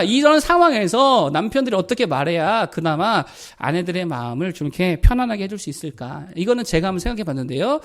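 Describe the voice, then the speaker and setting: A man, a pastor, giving a Sunday sermon in a lively conversational way, acting out quoted lines for humor. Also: sits high. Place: church sanctuary.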